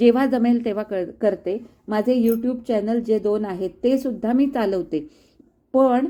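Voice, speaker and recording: A woman speaks with a fairly high pitch and ordinary pitch variation. Her tone is dark and mellow. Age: 60s. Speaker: sewing tutorial youtuber. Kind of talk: tutorial. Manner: conversational.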